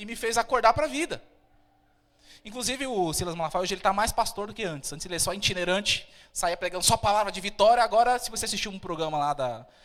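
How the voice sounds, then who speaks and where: This man talks at a very fast pace. His tone is animated and his intonation lively. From Brazil, urban periphery. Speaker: pastor. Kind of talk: sermon. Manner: casual, conversational.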